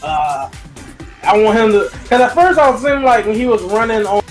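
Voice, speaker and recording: A man chatting casually as a review co-host, excitable, rambling and slangy. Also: high-pitched, normal speed, soft background music. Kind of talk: casual fan review chat.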